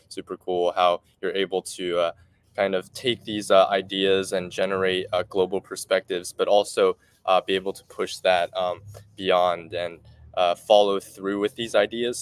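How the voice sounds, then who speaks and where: A young man moderates an online panel, affirming each speaker and hesitating with frequent fillers. His voice is low and deep. He speaks in a fairly flat line. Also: smooth. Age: young adult.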